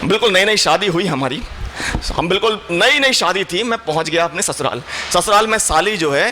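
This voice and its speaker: A man's voice: high-pitched, moderate pace, a little hiss or hum. A man on stage telling comic anecdotes and reciting poetry, acting out the voices in his stories. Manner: animated, acts out voices in anecdotes. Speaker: stage poet. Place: stage at an indoor event hall.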